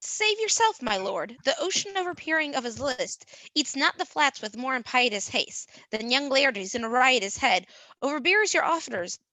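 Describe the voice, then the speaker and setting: An alarmed messenger acted by a woman declaims Shakespearean verse with urgency. The high, forceful voice swings widely in pitch, captured dry in an amateur livestream reading. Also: very animated, normal speed, dry recording, full character voice, poor audio. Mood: urgent, alarmed. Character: alarmed male messenger warning his king. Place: remote livestream from separate location.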